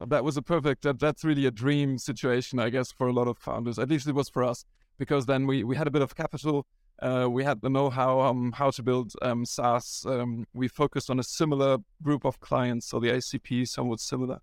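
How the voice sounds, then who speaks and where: A German-born founder talks through his story in a relaxed interview, circling back and restarting phrases with plenty of ums. His voice sits at an ordinary middle pitch. The recording is close and dry, with no room sound. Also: brisk, no echo. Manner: rambling, frequent restarts and ums. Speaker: startup founder guest. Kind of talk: casual business interview.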